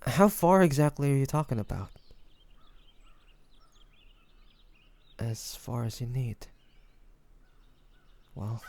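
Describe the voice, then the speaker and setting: A man playing a devoted young man, a tender best friend in an intimate fantasy audio roleplay, speaking gently and haltingly with sighs and pauses. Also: medium pitch, creaky, exaggerated voice. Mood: anxious, pleading.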